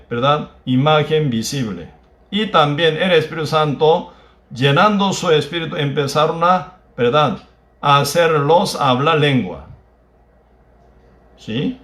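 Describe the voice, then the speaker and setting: In a church hall with audible echo, a Korean-accented pastor delivers a sermon. His voice is pitched higher than usual and a bit bright, and his speech is broken and halting, with tag questions to the congregation peppered throughout.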